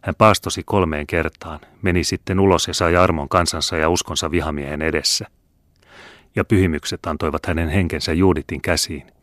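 A man reading the part of a scheming male Jesuit priest in a low, murmuring voice. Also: fairly even intonation, fairly bright tone, no room sound, clean studio sound. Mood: urging.

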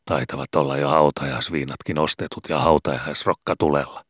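A man voicing a gruff, domineering old dying father who barks commands and mocks his family, in an audiobook reading. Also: rumbling low, steady tone, fairly bright tone, no echo, studio quality, heavily acted. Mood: sarcastic. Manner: barking, commanding, sarcastic. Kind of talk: audiobook character voice.

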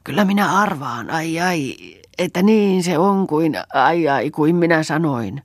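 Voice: mid-range voice, animated, no echo, clean studio sound, pitched above the performer's own voice, lightly acted. A reader doing a groaning, vindictive old peasant woman. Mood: scolding. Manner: moaning cries broken up by gasps. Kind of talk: audiobook character voice.

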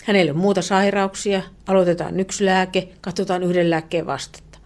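With a low-side voice and a level tone, a woman professor earnestly explains her points as a guest on radio. She often restarts, leans on fillers, and tends to trail off quietly.

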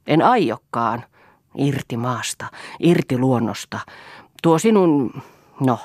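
A woman's voice: rumbling low, a little mellow, dry recording, studio quality. A woman reading an audiobook, voicing a playful, teasing young daughter in a mock-innocent manner. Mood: dismissive.

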